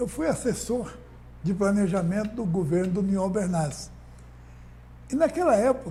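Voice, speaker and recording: The delivery moves at a fairly slow pace with long, frequent pauses. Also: man, high pitch for a man, lively intonation. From Lebanon. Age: 70s. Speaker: history professor and lawyer. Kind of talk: interview storytelling.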